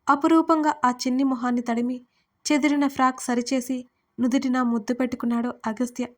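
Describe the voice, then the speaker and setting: A woman tells a dramatic audio story in a high voice. She reads the characters' dialogue without changing her voice much and keeps an even storytelling delivery. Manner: reads all characters' lines with little change of voice. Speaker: narrator. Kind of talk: storytelling narration.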